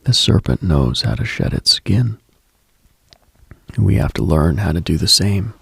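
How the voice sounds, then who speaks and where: A man with a very low voice full of heavy vocal fry delivers an intimate late-night radio monologue. His reflective, hushed delivery is extremely husky and breathy, as a host musing on spiritual matters. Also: expressive, measured pace, no room sound.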